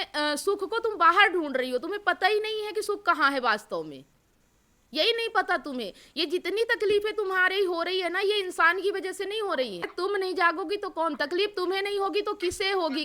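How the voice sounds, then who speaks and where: A woman's voice: very high-pitched, sharp tone. A middle-aged woman giving scolding advice, lecturing with stern rhetorical questions. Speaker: spiritual advisor. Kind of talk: scolding counsel.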